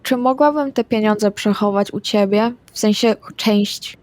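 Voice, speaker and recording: A female player speaks casually in character during a tabletop game. Her voice is mid-pitched and her delivery slightly hesitant, recorded dry and close. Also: measured pace, darkish tone, no room sound.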